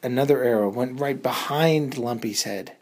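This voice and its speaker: A woman's voice: very deep voice, normal speed, very noisy. A woman telling a suspenseful bedtime story for children in a dramatic, improvised way, repeating words for effect.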